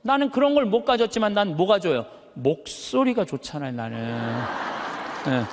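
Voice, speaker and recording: High, full-voiced male priest in a reverberant hall. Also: sing-song, normal speed, background noise. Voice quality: high but thick, full voice that carries. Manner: emphatic, uses rhetorical questions and stretched words for effect. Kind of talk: animated motivational sermon to a live audience. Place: large hall, speaking to an audience.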